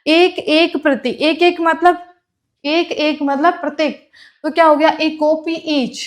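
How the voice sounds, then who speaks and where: A woman's voice: sits high, steady tone, takes it slowly. A woman teaches an exam-prep class. She repeats each term, then asks and answers her own questions. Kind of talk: classroom lecture.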